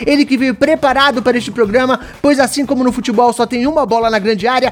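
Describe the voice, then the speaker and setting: A man speaks at a very fast pace with an extremely high pitch and an animated tone, over noticeable background noise. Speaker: podcast host. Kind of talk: casual chat. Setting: at home, recording remotely.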